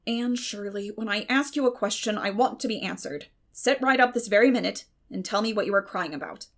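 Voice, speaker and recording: A woman voicing a stern, no-nonsense older female guardian in a storybook, with a brisk scolding manner. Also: medium pitch, a bit bright, lightly acted. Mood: stern, demanding.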